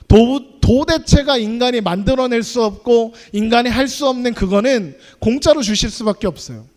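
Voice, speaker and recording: Young male youth preacher, high voice, chatty sermon style full of questions to the room. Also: darkish tone. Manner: conversational, asks the audience questions.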